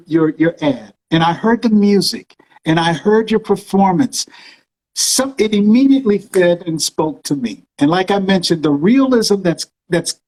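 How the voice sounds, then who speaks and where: A man's voice: sits high, a little mellow, low-quality recording. A man hosting a music interview show, effusive and conversational, repeating phrases for emphasis and speaking straight to his listeners.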